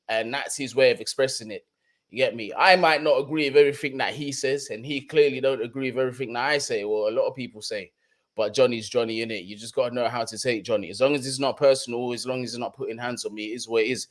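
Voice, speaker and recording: A young man from London with a London accent, hosting a live football stream in slangy, chatty talk and often repeating his points. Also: medium pitch. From London, England. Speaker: football channel host. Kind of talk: casual live-stream chat.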